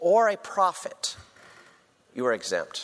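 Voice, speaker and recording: A man speaks with a Southern US accent. His pace is fairly slow. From Tennessee. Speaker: pastor. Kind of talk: sermon. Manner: halting.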